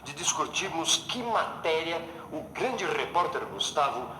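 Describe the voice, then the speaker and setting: A man's voice: fairly high pitch, big pitch swings, unhurried. A bossy teasing young man. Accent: Brazilian. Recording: roomy set with reverb and noise.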